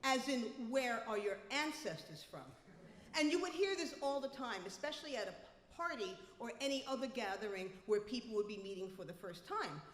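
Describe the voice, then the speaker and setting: A woman from New City, telling a comic personal story live, wry and animated. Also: fairly high pitch, brisk, few pauses. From New York City. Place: live venue, reverberant room. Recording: echoey hall reverb.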